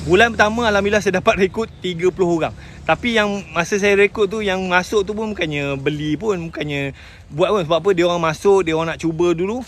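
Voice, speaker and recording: High-voiced Malaysian man telling a story. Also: fairly bright tone, slight background noise. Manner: emotional storytelling, addresses listeners as tuan-tuan, mixes in English words. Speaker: sales agent sharing his story. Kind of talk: motivational live talk.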